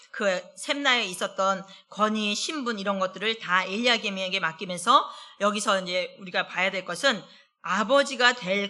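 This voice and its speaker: A woman associate pastor giving a conversational midweek sermon. She asks the congregation questions and slows down to read scripture aloud. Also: medium pitch, bright, forceful tone. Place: church service.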